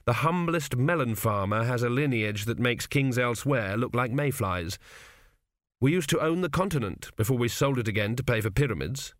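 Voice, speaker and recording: A man voicing an older inner voice that speaks calmly and with pride. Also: mid-range voice, normal speed, dry recording, clean studio sound, lightly acted. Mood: assured. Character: older inner voice, proud and calm.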